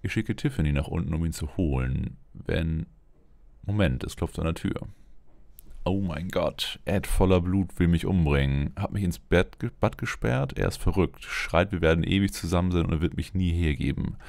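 A man's voice: sits low, normal speed, gravelly, a little mellow, dry recording. A man voicing a worried wife and mother in an earnest reading of her diary. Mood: anxious.

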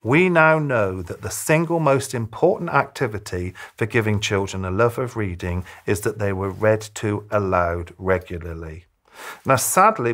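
A man in his fifties giving advice to camera as a children's author, speaking emphatically like a storyteller, with deliberate pauses. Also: lowish voice, a bit bright. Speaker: children's author giving reading tips to parents. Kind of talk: direct-to-camera advice talk, presentational. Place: small furnished room, indoors.

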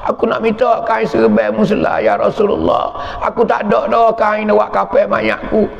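A man playing a pleading dying wife, gravelly and high. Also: completely flat delivery, normal speed. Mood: pleading, tearful. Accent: Pattani Malay. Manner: tearful, repeated pleading address. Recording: echoey hall, dull lo-fi sound.

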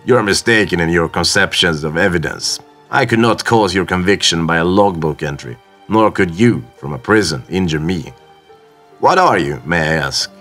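A stern ship's captain, voiced by a man, speaks in a very deep, measured tone, always in control. He is cool and calculating, never raising his voice. Faint music plays softly behind. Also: expressive.

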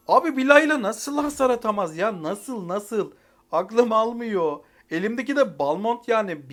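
A man giving live commentary over a mobile game, exasperated and barking rapid repeated commands, then calmly talking to viewers at the end. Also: high-pitched. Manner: calm wrap-up talk to viewers at the end.

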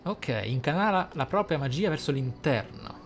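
A man giving casual, excitable playthrough commentary, often thinking aloud. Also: fairly high pitch, normal speed, a little hiss or hum. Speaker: gaming channel host. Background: game music.

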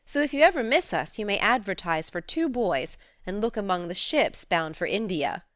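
A woman's voice: medium pitch, expressive, normal speed, fairly bright tone, dry recording, studio quality, natural voice. A woman doing a spirited teenage girl. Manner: earnest, frank, coaxing.

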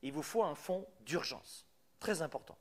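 A man's voice: fairly high pitch, expressive, normal speed. A middle-aged man with a French accent, giving a live business coaching talk and hammering his key points home with repetition. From France. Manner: emphatic, repeats key points. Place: Quebec.

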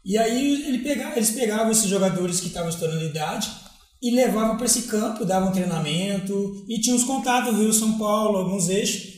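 Gaúcho man, forties, former footballer as guest; earnest, halting storyteller; strong room echo. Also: sits high, darkish tone, recorded from a distance. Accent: Gaúcho Brazilian Portuguese. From Porto Alegre, southern Brazil. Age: 40s. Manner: reflective, earnest, with many restarts. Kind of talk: relaxed interview storytelling. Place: small studio with green set. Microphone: lapel mic. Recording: very echoey room, voice heard from afar.

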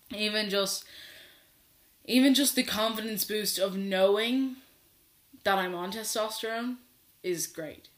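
A man's voice: sits high, a bit bright. A sixteen-year-old trans man, chatting candidly to his laptop camera from a small bedroom, with lots of fillers. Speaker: vlogger. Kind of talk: casual update to camera. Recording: echoey small room.

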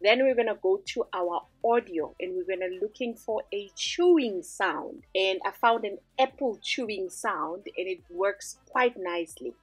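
A woman's voice: medium pitch, a little slow, few pauses, slightly rough, soft background music. A woman hosting a screen-recorded design tutorial, walking through each step in an upbeat, instructive way. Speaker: tutorial host.

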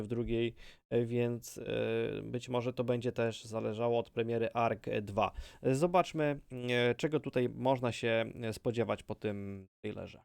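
A man's voice: mid-range voice, creaky, a little mellow, dry recording. A man making casual, off-the-cuff commentary as a gaming video creator.

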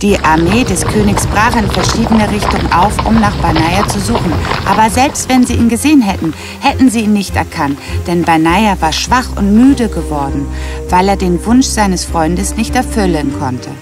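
A woman's voice: medium pitch, expressive, normal speed. A woman giving a scripted fairy-tale narration as storyteller. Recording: music bed under the voice.

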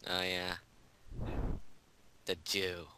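A man's voice: sits low, monotone, extremely slow, pushed and bright, clean tone. A man playing a game alongside a friend, joking and teasing in casual chat. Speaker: co-player.

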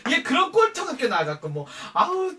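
A young man telling a funny work story in a campy, profane and animated way. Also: high-pitched, quick pace, recorded from a distance, noisy background. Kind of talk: casual comic storytelling.

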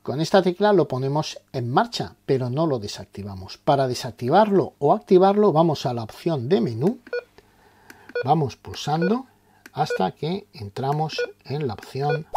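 A man speaks a little slowly in a darkish voice on the high side, with big pitch swings, as he presents a step-by-step tutorial. There's a little hiss or hum. He takes a didactic approach, explaining terms and posing then answering questions.

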